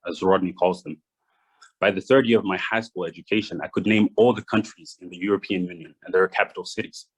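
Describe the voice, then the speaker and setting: Low-voiced Rwandan man giving an address. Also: slightly rough, poor audio. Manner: measured, reads from notes with small restarts. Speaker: guest speaker. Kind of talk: prepared address.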